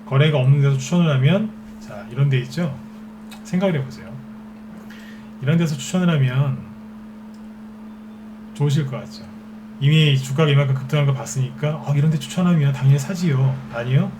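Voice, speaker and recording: A man's voice: on the high side, a little fast, pauses often. Korean man lecturing on stocks, faint hum. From Seoul capital region. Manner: rhetorical questions, answers himself. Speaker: stock market expert.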